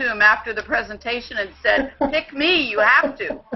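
Faint music plays behind a woman with an American accent. She talks at a moderate pace with fairly high pitch and ordinary pitch variation. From Florida. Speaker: teacher and literacy specialist; teacher. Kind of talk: casual chat. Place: home room. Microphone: video call.

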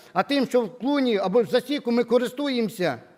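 Pitched extremely high, a man speaks at a moderate pace with ordinary pitch variation in a very clean recording with a silent background. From Ukraine, Rivne region. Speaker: preacher. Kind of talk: sermon. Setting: church.

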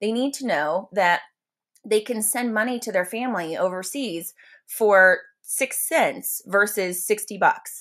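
With an American accent and a normal speaking voice, a woman talks at a medium pitch and a fairly slow pace, with ordinary pitch variation, on a very clean recording with a silent background. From US, Colorado. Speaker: humanitarian aid worker in blockchain. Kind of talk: interview.

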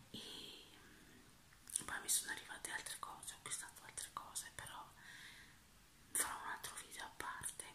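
A woman whispers at a moderate pace, with long pauses coming often. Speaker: ASMR creator. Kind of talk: ASMR whispered haul talk. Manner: whispered. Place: home room. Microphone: phone near.

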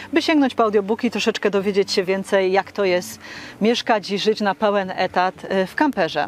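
A woman talks at a moderate pace with ordinary pitch variation. The sound is dry with no echo, and there is light background noise. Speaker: travel vlogger; audiobook narrator. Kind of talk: casual talk to camera. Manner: upbeat. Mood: cheerful, excited. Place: open country.

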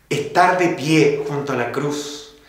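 The speech moves at a very slow pace. Audible echo from the room surrounds it. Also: man. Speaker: priest. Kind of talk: sermon. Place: empty room.

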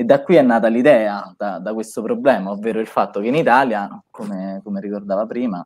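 A fairly low male voice at a fairly quick pace with ordinary pitch variation, in a dry sound with no echo and a quiet background. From Rome, Italy. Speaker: doctoral researcher in political economy. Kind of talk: interview. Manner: halting, with many repetitions. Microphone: video call.

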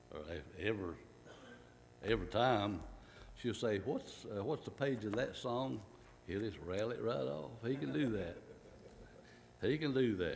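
Lively intonation over light background noise. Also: man. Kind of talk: casual church announcements. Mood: light-hearted joking. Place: church.

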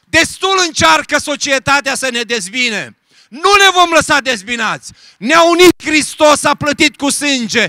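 A man's raised, projected voice sits at an extremely high pitch, bright and sharp yet solemn in tone. He moves at a fairly slow pace with lively intonation, and the sound is dry and close with no echo. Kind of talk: rally speech with prayer-like appeals, ending in Amen. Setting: outdoor protest, crowd. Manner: firm, emphatic, declaring; solemn, preacherly.

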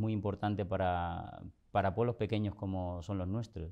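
Against a quiet background, a man with a Canarian accent talks at a fairly quick pace in a monotone, flat delivery. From Canary Islands, La Palma; Canary Islands. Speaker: mayor. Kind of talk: interview. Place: studio. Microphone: lapel.

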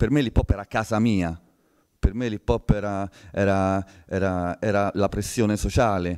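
Over a quiet background, a man speaks at a moderate pace in a fairly low pitch, his tone dark and mellow, with ordinary pitch variation. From Rome, Italy; Italy. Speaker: rapper and rap workshop teacher; rap workshop teacher. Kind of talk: inspirational talk. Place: hall. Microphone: handheld.

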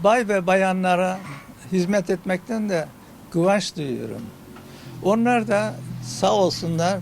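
With music in the background, a man talks fairly slowly in a high pitch with ordinary pitch variation. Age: 80s+. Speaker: tailor. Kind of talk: interview answer.

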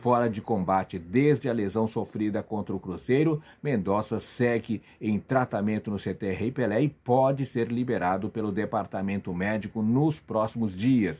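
With hardly any pauses, a man speaks at a moderate pace in a fairly low pitch, his dark, mellow tone carrying ordinary pitch variation. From Brazil. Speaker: football news youtuber. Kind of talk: sports news commentary. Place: home room. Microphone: webcam.

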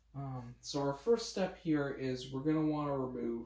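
Audible room echo colors a man's dark, mellow tone and fairly even intonation. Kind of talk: tutorial. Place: home room.

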